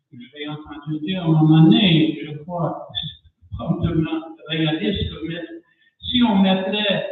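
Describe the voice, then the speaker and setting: A man gives a tentative, rambling answer as a candidate at a debate. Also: sits high. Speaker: election candidate. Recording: echoey room, far tinny mic.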